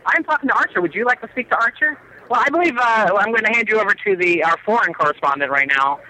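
Man caller, bright tense edge, slightly high voice, stumbling self-mocking banter. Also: animated, quick pace, poor audio. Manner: stammering, self-mocking joker. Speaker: caller reporting from a theme park. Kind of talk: casual phone chat.

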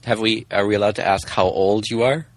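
A man's voice: lowish voice, steady tone, fairly quick, no room sound. A man in his forties chatting casually with short, agreeable remarks. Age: 40s. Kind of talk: casual chat.

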